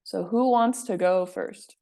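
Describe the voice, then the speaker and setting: At a measured pace, a woman from Puerto Rico facilitates a workshop in a casual video-call presentation. Her medium-pitched voice has a dark tone, and she's friendly, filling pauses with "um" a lot.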